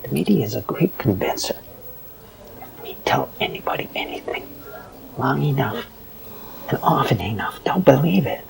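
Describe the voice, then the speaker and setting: An actor playing a cynical, fearful newsroom worker in an audio drama, cautioning and lecturing in a hushed manner. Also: male voice, mid-range voice, big pitch swings, moderate pace, creaky, long pauses, whispered, poor audio. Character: cynical, fearful male newsroom worker who obeys management.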